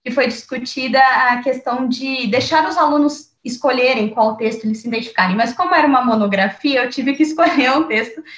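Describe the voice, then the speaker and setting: This guest, a Brazilian teacher and researcher, discusses her teaching approach in a conversational interview, thoughtful yet full of fillers and restarts. Her high, fairly bright voice moves briskly with hardly any pauses. The recording is rough and reverberant.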